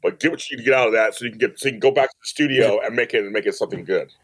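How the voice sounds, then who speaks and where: A middle-aged American man telling stories casually as an interview guest, chatty and quick to act out what people said. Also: on the low side, breathy edge. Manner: chatty, animated, acts out quoted remarks. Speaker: podcast guest, entertainment reporter and host.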